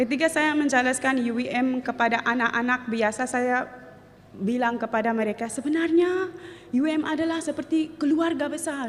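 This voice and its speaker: Using ordinary pitch variation, a woman talks in a high register. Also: moderate pace. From South Africa. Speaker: church mission fundraising officer. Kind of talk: church announcement / thank-you speech. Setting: church service. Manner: halting, mixing English and Indonesian.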